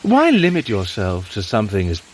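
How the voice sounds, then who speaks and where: An actor playing a sly, grandiose, century-old mutant villain in an audio drama, with pompous, silky, drawn-out persuasion. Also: male voice, lowish voice, wildly swooping pitch, a little hiss or hum. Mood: gloating, tempting.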